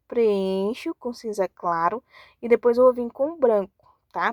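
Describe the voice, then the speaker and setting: A woman with a plain, everyday voice speaks at a moderate pace in a fairly high pitch with ordinary pitch variation. The very clean recording has a silent background and a dry, close sound with no echo. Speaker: craft tutorial host. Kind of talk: tutorial narration.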